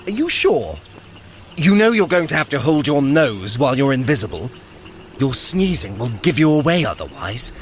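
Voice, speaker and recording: A man's voice: medium pitch, very animated, moderate pace, a little hiss or hum, natural voice. A man playing a sly, theatrical Norse trickster god in an audio adventure, wry and flamboyant, with elaborate formal wording. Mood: sardonic. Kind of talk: dramatic audio adventure acting.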